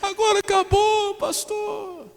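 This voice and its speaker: A man's voice: extremely high pitch, little pitch movement, slow, vocal fry, voice pushed up, heavily acted. A man doing a sobbing, wailing woman in an echoey hall. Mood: sobbing plea. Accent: Brazilian. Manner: wailing, breathless pleading. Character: distraught woman churchgoer sobbing and pleading.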